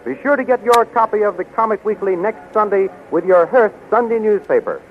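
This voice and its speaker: High-pitched 1930s male radio announcer. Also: lively intonation, fairly quick. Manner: dramatic, declamatory. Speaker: announcer and narrator. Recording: tinny, noisy 1930s radio recording.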